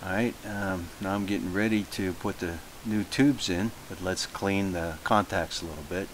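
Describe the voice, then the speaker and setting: A man giving a casual, halting how-to narration of his own hobby repair, thinking aloud as he goes. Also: deep voice, rough recording. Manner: halting, thinking aloud with self-posed questions. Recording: hissy home recording, steady noise.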